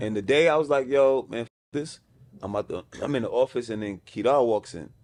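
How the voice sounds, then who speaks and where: A man at a medium pitch, fairly quick, with ordinary pitch variation. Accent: New York. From Brownsville, Brooklyn, New York. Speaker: music label executive. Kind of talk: interview storytelling. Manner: animated.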